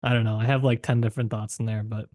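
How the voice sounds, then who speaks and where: A man hosting a podcast, talking casually about literature in a halting, thinking-aloud way with trailing qualifications. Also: on the low side, flat delivery, a little mellow, dry recording, clean studio sound. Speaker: podcast host.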